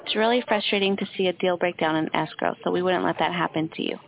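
A woman working as a home buyer's phone agent, delivering a steady, rehearsed sales pitch. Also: quick pace. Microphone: telephone. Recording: tinny phone line with clear hiss.

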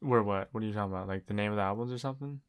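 A man's voice: fairly low pitch, racing, clean tone. A young man co-hosting a casual podcast, reacting with disbelief and lots of questions. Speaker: podcast co-host. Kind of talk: casual chat.

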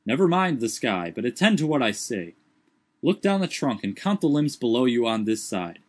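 A man voicing an agitated gentleman who gives urgent commands. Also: medium pitch, very animated, normal speed, breathy edge. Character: agitated, obsessive gentleman giving orders. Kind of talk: audiobook character voice.

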